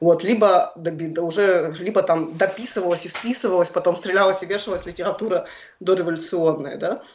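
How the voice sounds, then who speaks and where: Fairly quick speech from a woman at a medium pitch with fairly even intonation, noticeable background noise behind her. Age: 30s. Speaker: writer and columnist. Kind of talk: radio interview.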